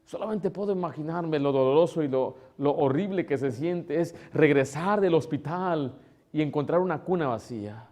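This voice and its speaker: A man preaching a sermon as pastor, emotional, moving between loud exclamations and soft, tender asides, sometimes acting out relatives in a higher tone. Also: moderate pace. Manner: acts out voices of relatives in a higher tone.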